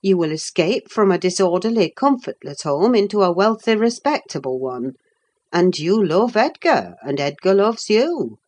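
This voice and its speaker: A woman reading a sensible, plain-spoken housekeeper in an audiobook, with a steady, reasoning manner. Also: mid-range voice, moderate pace.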